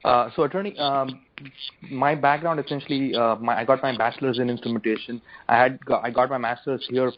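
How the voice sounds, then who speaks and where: Fast-talking young man on a dull call line. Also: mid-range voice, fairly even intonation. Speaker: caller with a follow-up question. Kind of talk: polite spoken question on a conference call. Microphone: phone conference line.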